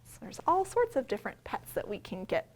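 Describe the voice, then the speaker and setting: A woman with an American accent and a notably high voice speaks to young children as a story-time host. She uses simple, explanatory phrasing suited to little listeners, in the style of a librarian's read-aloud. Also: wildly swooping pitch, brisk.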